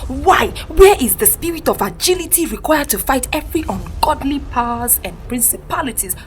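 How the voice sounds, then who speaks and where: A woman's voice: high voice, lively intonation, moderate pace. A woman playing a devout, scolding Nigerian Christian mother in an audio drama, with a Nigerian accent and an insistent, preachy manner. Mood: indignant preaching. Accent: Nigerian Igbo-language English. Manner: preachy, exclamatory, repeats herself insistently. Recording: music behind the voice.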